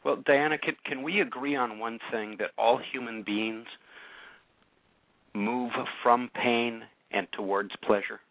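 A man's voice: mid-range voice, fairly even intonation, a little slow, no room sound. A man hosting a call-in radio show. He coaches a caller with probing, challenging questions and often repeats words as he presses a point. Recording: narrow, phone-like radio sound.

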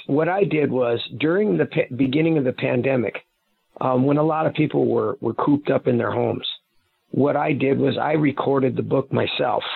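Gravelly man on a phone line. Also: mid-range voice, moderate pace. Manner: rambling, self-correcting explanations. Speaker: guest author and private investigator. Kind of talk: phone-in interview.

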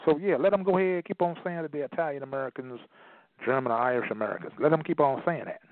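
A man's voice: a little high, fast. A man giving an emphatic lecture, partly reading aloud and repeating phrases for stress. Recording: tinny phone-like line, dry.

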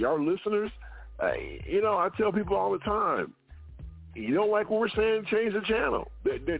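A man's voice: sits high, no room sound. A man hosting an opinion talk show, arguing his point emphatically and repeating words as he pushes on. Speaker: radio show host. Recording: phone-like narrow sound.

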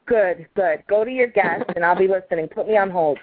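A woman's voice: lowish voice, fairly quick, no echo. A woman chatting casually and bluntly as a phone-in co-host. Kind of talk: casual chat. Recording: dry tinny phone line.

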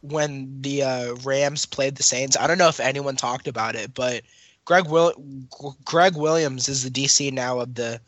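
A man's voice: mid-range voice, steady tone, unhurried, fairly bright tone, dry recording. A young man co-hosting a casual podcast, telling stories and teasing his co-host in a chatty way. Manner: chatty, storytelling, playful teasing. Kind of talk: casual chat.

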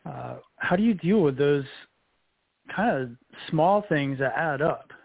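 A man hosts an interview, summing up his guest's points and asking questions in a careful, measured way. His voice is dry and close, with no room sound. It comes through a narrow, phone-like band. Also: fairly high pitch, expressive, creaky, no echo. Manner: summarizing and probing, measured. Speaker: radio show host.

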